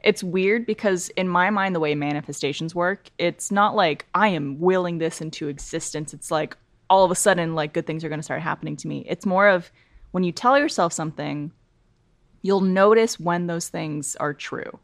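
Low, gravelly Canadian-born woman. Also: normal speed, no echo. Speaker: host. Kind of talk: casual chat.

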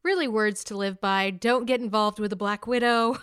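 A woman's voice: mid-range voice, steady tone, moderate pace, a bit bright, smooth. A woman hosting an upbeat promotional podcast interview in a gushing, enthusiastic manner. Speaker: podcast host interviewing a guest.

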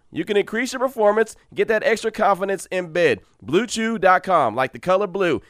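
A man in his early forties talks at a fast clip on a sports podcast, in a dry, close recording. His voice sits a little high for a man, and he addresses listeners casually, with plenty of slang. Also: fairly bright tone, no room sound. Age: early 40s. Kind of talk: casual solo podcast talk with host-read ads.

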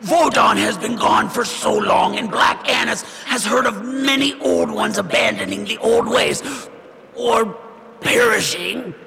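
A woman voicing a fierce, fanatically devoted hag with a gravelly screech in a fantasy audio drama. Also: on the high side, lively intonation, unhurried, over music, exaggerated voice. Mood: fervent. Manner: speaks of self in third person, fervent. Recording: long cavernous reverb.

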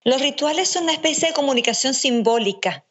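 A woman from Venezuela with an accent blended by years in Chile, explaining family nutrition in a measured, structured way as an interview guest. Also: high voice, lively intonation. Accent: Venezuelan mixed with Chilean. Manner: measured, structured, lists points. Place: speaking remotely from home.

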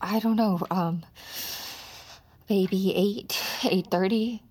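A woman's voice: medium pitch, steady tone, slow, breathy edge. A woman playing a desperate mother whose young son has vanished, pleading and strained. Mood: worn down. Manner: strained, pleading, cracking into shouts. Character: frantic young mother searching for her son. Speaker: mother of a missing boy, narrator. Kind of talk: audio drama acting and narration.

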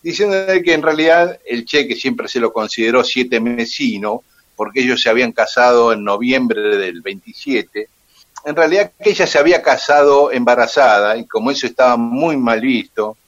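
A man's voice: medium pitch, moderate pace, muffled recording. Argentine man telling history on radio. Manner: detailed, steady, with "eh" and "este" fillers. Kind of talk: storytelling on radio.

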